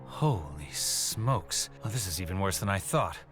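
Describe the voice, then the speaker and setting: Impatient young agent, animated pitch. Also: male voice, unhurried, faint music behind. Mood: exasperated. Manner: incredulous, complaining. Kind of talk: motion comic voice acting.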